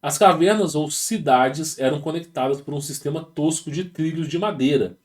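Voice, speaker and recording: A man's voice: fairly high pitch, moderate pace, darkish tone. A man with a Brazilian Portuguese accent hosting his channel, reading a text aloud and breaking off into rambling, slangy asides with many restarts. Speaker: channel host. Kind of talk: casual talk reading and commenting on a text. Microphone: home setup with rural internet.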